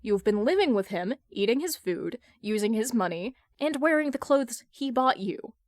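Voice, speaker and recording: A woman voicing a stern, sharp-witted female friend who questions pointedly, like a prosecutor, in an audio fan fiction reading. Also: a little high, lively intonation, no echo, studio quality, lightly acted. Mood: accusing. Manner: pointed, interrogating, deliberate.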